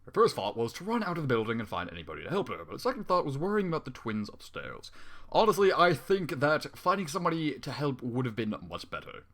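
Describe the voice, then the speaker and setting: A man reads a story aloud with a very animated, swooping delivery. He keeps stepping out of the narration to comment in an exasperated, sarcastic, sweary way. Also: medium pitch, fast. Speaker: fan fiction reader.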